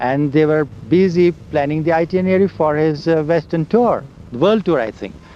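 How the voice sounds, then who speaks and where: A fairly high-pitched man against noticeable background noise. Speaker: spiritual devotee recounting memories. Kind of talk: oral history interview.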